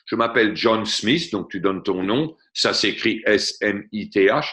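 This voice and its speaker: A man's voice: on the low side, animated, unhurried, fairly bright tone. A man giving a lesson on a video call, patiently explaining grammar and slipping in short English glosses. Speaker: French tutor. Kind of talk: online tutoring session. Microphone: computer mic on a video call.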